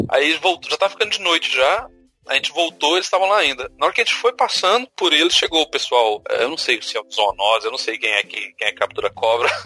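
A man at a very fast pace, dry and close with no echo, over music in the background. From Brazil, Minas Gerais (Belo Horizonte area). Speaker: pet owner telling animal stories. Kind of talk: casual chat. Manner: animated storytelling.

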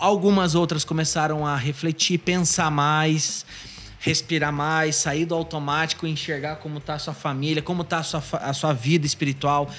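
A man's fairly high voice at a moderate pace, monotone and flat, with music in the background. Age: 30s. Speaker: pastor and podcast host. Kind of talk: casual chat. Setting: studio.

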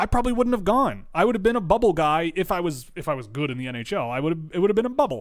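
Talking at a very fast pace, a man with a Canadian accent has a high pitch and an animated tone. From Canada, Toronto. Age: 30s. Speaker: hockey draft analyst streamer. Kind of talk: live stream commentary. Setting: live online stream.

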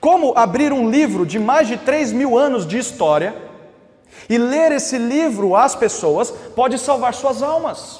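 Lively intonation marks this fairly slow delivery. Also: man, extremely high pitch for a man. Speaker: preacher. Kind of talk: sermon. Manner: fervent, rhetorical, building with repeated phrases; direct, pleading appeals to the listener.

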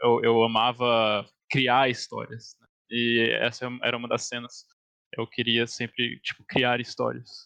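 A man's medium-pitched voice with a bright, sharp tone against a quiet background. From Brazil. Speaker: indie game developer. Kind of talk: interview.

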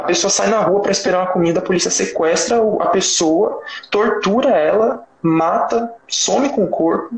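A man with a São Paulo accent at a fairly slow pace, ordinary pitch variation, noticeable background noise and audible room echo. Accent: Paulistano Brazilian Portuguese. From São Paulo, Brazil (north zone periphery). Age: 20s. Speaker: social sciences student. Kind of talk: casual chat. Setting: Instagram live.

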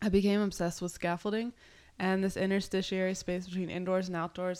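Against a silent background on a very clean recording, a woman with an American accent speaks at medium pitch in a flat monotone. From Vermont and Virginia, US. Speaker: fashion designer. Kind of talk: interview conversation. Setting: in a sunroom.

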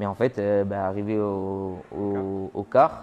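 Fairly low in pitch, a man's voice has a dark, mellow tone. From Bordeaux, southwest France. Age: 20s. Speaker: firefighter and CrossFit athlete. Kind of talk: casual interview. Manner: halting, many fillers.

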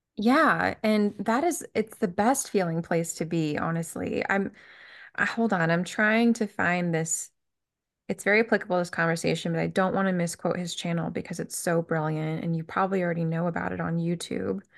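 A woman has an unremarkable speaking voice with a fairly low pitch and ordinary pitch variation. She talks at a moderate pace over a quiet background. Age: 30s. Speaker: spiritual coach and content creator. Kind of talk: casual chat.

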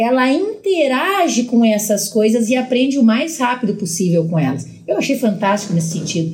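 At a moderate pace with hardly any pauses, a woman with a fairly high pitch uses very wide pitch swings while her loudness stays very even, over noticeable background noise. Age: 40s. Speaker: film commentator. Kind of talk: casual chat.

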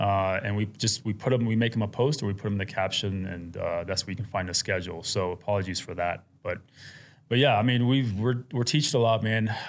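At a fairly quick pace, a man with a fairly low pitch uses an ordinary speaking voice with ordinary pitch variation. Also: very clean recording, silent background. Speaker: former special forces soldier, firearms instructor. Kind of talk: casual chat.

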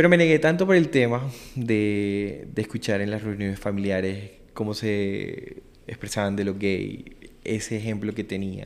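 An unremarkable speaking voice from a man, fairly low in pitch, at a fairly slow pace with ordinary pitch variation. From Colombian Caribbean coast, small town. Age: 20s. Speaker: advertising agency owner and writer. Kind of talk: personal testimony in interview.

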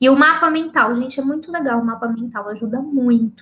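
Moderate pace from a woman with a high voice and ordinary pitch variation. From interior of São Paulo state, Brazil. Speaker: psychologist. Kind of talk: casual interview on a livestream.

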